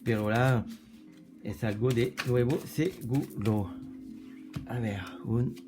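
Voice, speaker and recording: Over music, a tarot reader with a French accent speaks at a medium pitch with fairly even intonation. His casual reading is halting, full of restarts, word searching, and French fillers.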